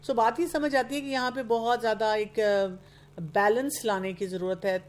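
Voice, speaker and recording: A woman's voice: on the high side, steady tone. Woman, earnest advice-giving lecture voice, slips English terms into her speech. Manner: acts out young people's excuses in quoted asides. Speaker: speaker on youth guidance. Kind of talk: lecture on self-improvement.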